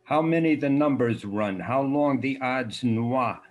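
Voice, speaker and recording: A man in his seventies, a poet presenting his work in a halting, deliberate way. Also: medium pitch, lo-fi sound. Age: 70s. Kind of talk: introducing and reading own poetry. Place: dark room indoors.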